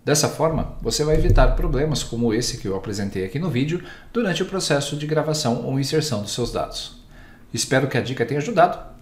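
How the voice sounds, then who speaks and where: A man with a Brazilian Portuguese accent, giving a screen-recorded software lesson and explaining each step in a steady, patient way. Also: medium pitch, roomy sound. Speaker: instructor.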